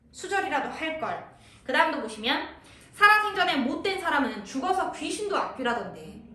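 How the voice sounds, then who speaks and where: A high, animated woman's voice lecturing on literature, now and then acting out a character's lines. She sits a little away from the mic in an echoey room. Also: recorded from a distance, slight background noise. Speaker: literature teacher. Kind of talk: lecture explaining a classical text.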